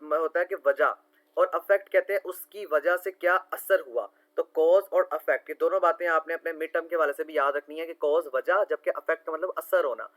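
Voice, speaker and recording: Man tutoring, spelling words slowly. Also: on the high side, fairly bright tone, low-quality recording. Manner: explanatory, repeats and spells words slowly letter by letter. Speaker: online tutor solving quiz answers. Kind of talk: screen-recorded lesson explanation.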